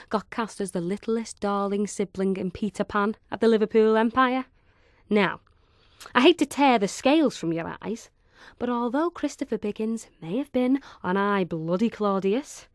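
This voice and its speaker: A woman's voice: mid-range voice, dry recording, clean studio sound, lightly acted. A woman performing a comic monologue as a pompous, bitter showbiz type, florid, haughty and cutting.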